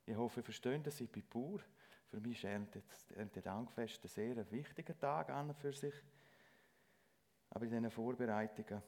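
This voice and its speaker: A middle-aged man delivers a sermon in church. He speaks earnestly and haltingly, often breaking off and restarting his sentences. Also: mid-range voice, a little mellow. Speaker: lay preacher.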